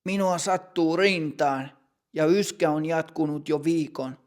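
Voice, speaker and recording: A man voicing a quiet, nervous patient. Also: fairly high pitch, natural voice. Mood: subdued. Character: nervous sick man with a cough.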